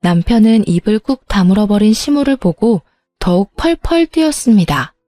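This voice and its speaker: A woman narrating a dramatized story in a calm, steady manner and voicing herself in it. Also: medium pitch, normal speed, dry recording, soft background music.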